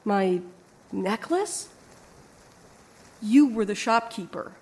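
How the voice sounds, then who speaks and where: Actress as a wary, slow-spoken stubborn heroine. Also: female voice, medium pitch, lively intonation, a little mellow. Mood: stunned. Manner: guarded, earnest, resolute. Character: stubborn, wary young woman courier, defiant. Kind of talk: audio drama acting.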